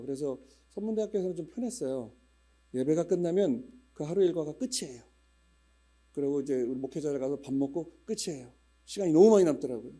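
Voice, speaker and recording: A pastor in his fifties chats humorously with his congregation before his sermon, telling stories and imitating regional dialects during casual church announcements. His voice is mellow and on the high side.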